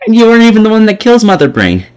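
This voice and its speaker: A man's voice: high voice, wildly swooping pitch, rapid-fire, darkish tone, smooth. A man reading scripted video game review commentary in a sarcastic, exasperated manner. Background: music.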